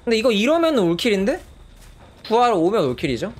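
Excitable streamer man, very lively pitch. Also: fast talker. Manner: excitable, bursts into loud surprised exclamations. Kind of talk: casual live gameplay commentary. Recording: game music behind the voice. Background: game music.

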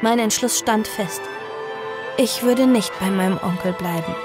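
A woman's voice: mid-range voice, unhurried, over loud music, close to an everyday voice. A woman playing an earnest fifteen-year-old niece who also narrates her story in an audio drama. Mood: earnest narration. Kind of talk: audio drama acting and first-person narration.

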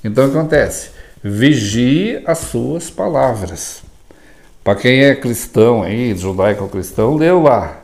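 A man with a Brazilian Portuguese accent, an herbalist giving spiritual advice in a casual chat, telling lively stories and acting out little dialogues. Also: mid-range voice, unhurried, gravelly.

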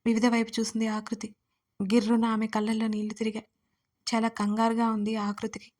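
A woman narrating an audio story in a steady reading voice. Her pitch sits somewhat high. She keeps an even, level contour with little melodic movement. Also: fairly quick.

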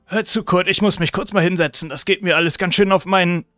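A man voicing a decayed zombie uncle who pleads with a hoarse, strained voice, repeating the boy's name and restarting his sentences. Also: sits high, steady tone, a little fast, sharp tone, dry recording, studio quality, faint music behind. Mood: coaxing. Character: undead zombie uncle, decayed, coaxing and weary.

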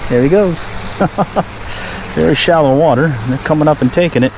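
A man giving relaxed, chatty running commentary while fly fishing at a park pond, recorded on a head-mounted action camera. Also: fairly high pitch, moderate pace. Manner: relaxed, chatty, pleased exclamations at each catch. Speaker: fishing vlogger. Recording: outdoor action-camera audio with background noise.

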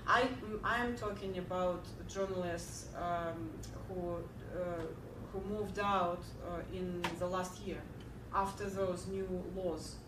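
A woman's voice: fairly low pitch, slow, hardly any pauses. Woman lecturing in an echoey hall. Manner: earnest, many fillers and restarts, animated when telling a joke. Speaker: keynote speaker. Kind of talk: lecture answering audience questions. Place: large lecture hall, at a podium. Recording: echoey hall, heard from far off, clear background hum.

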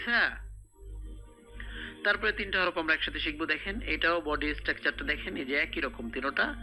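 Bright-voiced patient man teaching letters. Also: on the high side, poor audio. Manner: patient, explains step by step and repeats sounds slowly. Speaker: Quran reading teacher. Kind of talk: recorded lesson.

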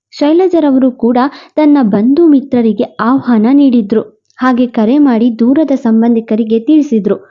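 A woman narrating a romance story and voicing every character in an expressive, quick reading. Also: high voice, dull audio. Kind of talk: storybook narration with voiced dialogue.

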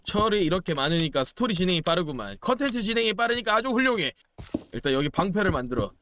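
Young male gaming commentator, high voice, very animated delivery, playful and chatty. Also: fast, slight background noise. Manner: playful, chatty, exclaims and chants while playing. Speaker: gaming YouTuber. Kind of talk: casual game commentary.

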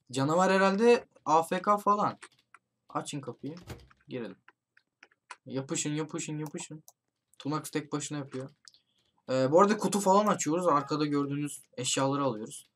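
Man, gaming commentary, slightly high voice, urgent warnings to teammates, faint keyboard clicks. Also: a little hiss or hum. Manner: hurried, shouts warnings to teammates. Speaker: gaming YouTuber. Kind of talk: excited let's-play commentary with friends.

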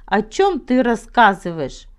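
A woman's voice: mid-range voice, big pitch swings, unhurried, smooth. A woman voicing a scoffing, incredulous listener in a storybook tale, exclaiming at tall stories. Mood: indignant.

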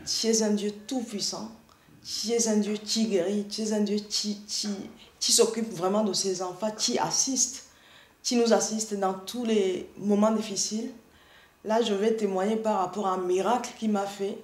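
A middle-aged woman from Rwanda giving an earnest spoken church testimony over a video call, halting and restarting often. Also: medium pitch, fairly even intonation, darkish tone, echoey room. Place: indoor room, seated in armchair.

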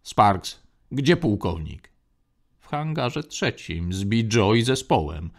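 A stern navy lieutenant, which a man voices in a spoken space saga. He barks his orders, firm and pressed. A gravelly edge runs under his raised voice. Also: lowish voice, big pitch swings, slow pace, full character voice. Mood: commanding. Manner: barking orders. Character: stern male navy lieutenant, harried and commanding.

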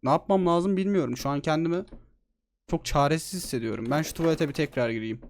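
Brief: slightly high-voiced male streamer, jumpy and profane horror-game commentary. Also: fast talker. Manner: excitable, swears a lot, jokey. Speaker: gaming streamer. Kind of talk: let's play commentary.

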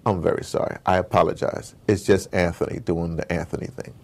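A middle-aged man being interviewed, telling stories in a casual, animated way, repeating words and wandering off point. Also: deep voice, a little fast, creaky, breathy edge. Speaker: interviewed audio drama producer. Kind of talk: casual, digressive interview talk. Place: at his home base in New York.

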